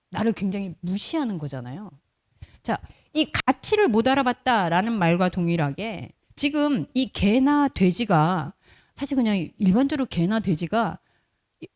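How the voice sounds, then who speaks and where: A woman pastor delivers a sermon in a church, speaking like she's chatting with the people in front of her. She keeps asking them rhetorical questions. Her pitch moves up and down a lot, and her voice sounds soft and warm. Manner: conversational preaching with rhetorical questions to the congregation.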